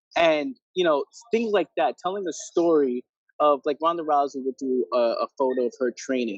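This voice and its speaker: An energetic man with a New York accent speaks in a fairly high pitch, the sound dry and close with no echo. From New York, the Bronx. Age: 20s. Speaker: entrepreneur. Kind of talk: podcast interview.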